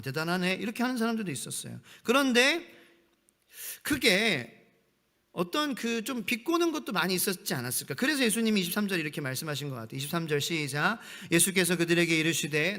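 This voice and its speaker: A man's voice: a little high, pushed and bright. A man preaching a midweek evening sermon as pastor, reading scripture and acting out mocking voices of the crowd. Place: church sanctuary. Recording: long church hall reverb.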